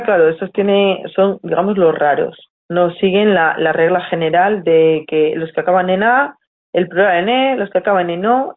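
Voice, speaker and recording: Una profesora con acento de España explica con paciencia a sus alumnos, les pregunta a menudo si lo siguen y se corrige a media frase. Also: female voice, on the low side. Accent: Spain Spanish. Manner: patient, checks in often, corrects herself mid-sentence. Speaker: teacher. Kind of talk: explanatory lesson to students. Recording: tinny phone-like audio.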